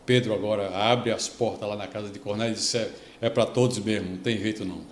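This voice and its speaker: A Brazilian pastor with a fairly low voice tells stories on a devotional podcast, acting out the people he quotes. The room gives his voice a noticeable echo, with a faint hiss underneath. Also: fast talker. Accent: Brazilian Portuguese. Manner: animated storytelling, acts out quoted speech.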